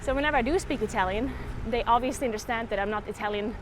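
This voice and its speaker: A woman's voice: fairly high pitch, fast talker. Breathless woman streaming from a bike. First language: German. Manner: chatty, laughs often, talks to chat. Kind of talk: casual chat to live viewers while cycling. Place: outdoors on a road while biking. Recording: outdoor wind and traffic noise.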